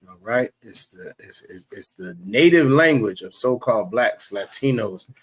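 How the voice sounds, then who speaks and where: A man's voice: medium pitch, expressive, normal speed, breathy edge. A man teaching a livestreamed religious class, in a preachy, repetitive way with many fillers and restarts.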